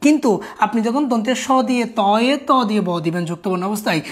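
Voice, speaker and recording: In a recorded class, a woman teaches spelling, patiently explaining each rule and repeatedly asking listeners to look closely at every word. Her voice is mid-range for a woman, she talks fast, and her intonation is lively.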